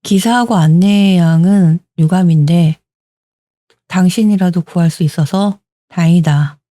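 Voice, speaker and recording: A woman voicing an elderly male war veteran who shouts and demands answers in a told story. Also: lowish voice, measured pace, no echo, clean studio sound, close to an everyday voice. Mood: urgent.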